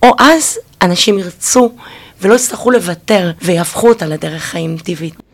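At a moderate pace and medium pitch, a woman speaks with lively intonation and big swings in loudness over noticeable background noise. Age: 40s. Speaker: high school history teacher. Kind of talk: panel interview. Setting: studio.

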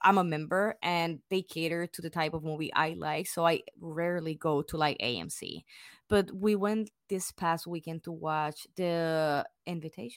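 With a Puerto Rican accent, a woman speaks in a fairly low pitch. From Puerto Rico. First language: Spanish. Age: 40s. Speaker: reality TV contestant. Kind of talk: casual interview. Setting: remote call. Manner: deliberately thick accent.

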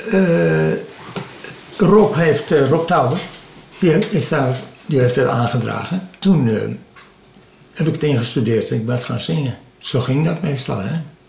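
A man with a fairly high pitch talks at a fairly slow pace with lively intonation and long, frequent pauses, over audible room echo and noticeable background noise. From Netherlands, Amsterdam. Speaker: singer and cabaret performer. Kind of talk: interview. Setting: at home. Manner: halting.

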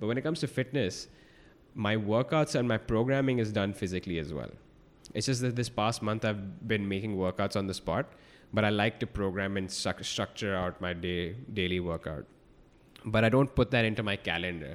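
A normal speaking voice from a man, fairly low in pitch with ordinary variation, at a fairly quick pace, on a very clean recording with a silent background. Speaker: podcast host. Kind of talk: casual interview. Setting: office.

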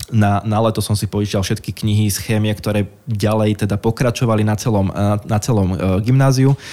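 A man speaks at a fairly quick pace with a dark, mellow tone, very even loudness and fairly even intonation. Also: fairly low pitch for a man, hardly any pauses. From Slovakia, Trnava. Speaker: pharmacist. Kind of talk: casual interview.

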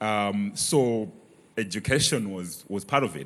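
The voice carries a Malawian accent and lively intonation against a quiet background. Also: man. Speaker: church member sharing ministry work. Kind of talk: onstage interview. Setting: church stage with congregation.

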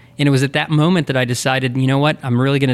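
In an American accent, a man talks at a very fast pace with monotone, flat intonation. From US Midwest, Cincinnati, Ohio. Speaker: physician and associate dean. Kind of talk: interview conversation.

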